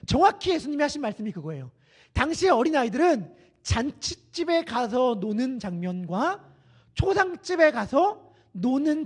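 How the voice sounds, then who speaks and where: A man who is a pastor, preaching an expository sermon and asking the congregation questions. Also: extremely high pitch. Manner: animated, acts out quoted voices, asks the congregation questions. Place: church sanctuary.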